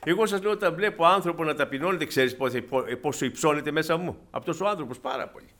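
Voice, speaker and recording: Preaching to his congregation, a man recounts anecdotes, his delivery swinging from loud exhortation to quiet, low asides.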